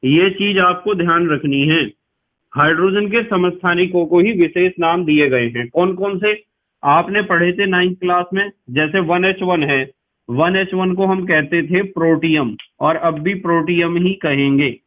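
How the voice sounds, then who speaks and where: Guy teaching chemistry, kinda high voice, keeps repeating stuff and asking questions, tinny phone-ish sound. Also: measured pace. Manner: patient, repeats key points, quizzes listeners. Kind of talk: classroom lecture to students.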